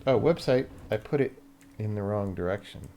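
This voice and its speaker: A man's voice: lowish voice, lively intonation, moderate pace, dark tone, slight background noise. A man live streaming as he programs a game, thinking aloud casually in short fragments, blunt and sardonic, with casual swearing. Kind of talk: casual off-the-cuff coding commentary.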